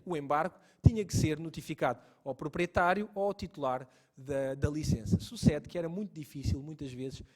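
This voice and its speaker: A man's voice: fairly high pitch, a little mellow. A man with a European Portuguese accent, a lecturer and lawyer giving a legal lecture, explaining step by step and repeating key points for emphasis.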